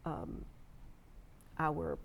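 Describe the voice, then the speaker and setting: A woman filmmaker from the United States, answering interview questions in a reflective way with many fillers and restarts. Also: drawn-out words. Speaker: filmmaker guest.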